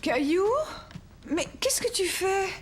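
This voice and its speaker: Lilting, high-voiced gentle cartoon mother. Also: animated, takes it slowly, slight background noise, heavily acted. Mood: mildly concerned. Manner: gentle, encouraging, sing-song. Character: gentle, patient young mother of a small boy. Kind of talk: French cartoon dub. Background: prominent music.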